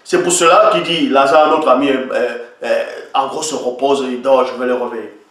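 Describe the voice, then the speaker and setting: A man's voice: medium pitch, steady tone, normal speed, fairly bright tone. Emphatic male preacher in a very echoey room. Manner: emphatic, repeatedly asks listeners if they follow. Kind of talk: sermon-style teaching. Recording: very echoey room, voice far from mic.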